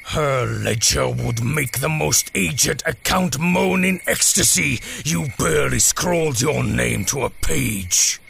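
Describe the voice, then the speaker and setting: Gravelly, imperious carnival villain. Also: male voice, medium pitch, lively intonation, slow, few pauses, a bit bright, full character voice. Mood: cold contempt. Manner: pompous, grandiloquent, commanding. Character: imperious, cruel master of a dark carnival. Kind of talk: dark audio drama villain acting.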